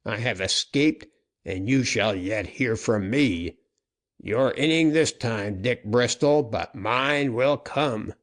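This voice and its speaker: A man's voice: medium pitch, slow pace, close to an everyday voice. A man voicing a fierce, vengeful male outlaw captain in a dime-novel reading, snarling and threatening.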